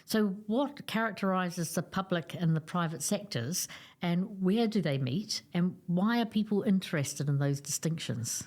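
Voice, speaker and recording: A woman co-hosting a podcast, explaining ideas in a measured way. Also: on the low side, expressive, darkish tone. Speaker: podcast co-host. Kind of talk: podcast conversation.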